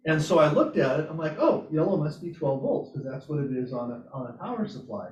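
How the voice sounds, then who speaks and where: A man's voice: fairly high pitch, big pitch swings, brisk, a little mellow. A man presents informally in a roomy space, picked up from away and slightly muffled. He tells his story in an anecdotal way, voicing his own reactions as he goes. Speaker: presenter at a robotics club meetup. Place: meeting room at a hybrid club meetup. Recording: echoey room, distant mic, muffled sound.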